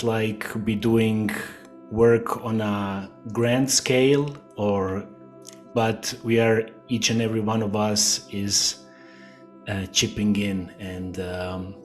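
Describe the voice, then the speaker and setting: A middle-aged man from Croatia, a guest speaking slowly and hesitantly with many fillers in a casual interview. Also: on the low side, darkish tone.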